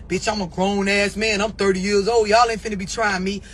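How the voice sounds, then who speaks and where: A man's voice: sits high, level tone, brisk, fairly bright tone, slight background noise. A man imitating a defensive man who insists he is grown, in an indignant, boastful tone.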